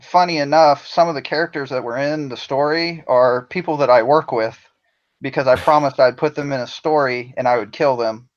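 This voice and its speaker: A man's voice: mid-range voice, normal speed. Chatty man on dull lo-fi audio. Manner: chatty, telling anecdotes with a laugh. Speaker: writer guest. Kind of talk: casual podcast discussion.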